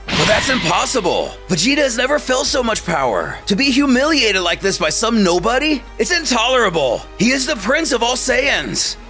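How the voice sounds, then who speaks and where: A man voicing an arrogant, proud alien prince in a story retelling, his voice shrill and indignant. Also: sing-song, moderate pace, sharp tone, soft background music, exaggerated voice.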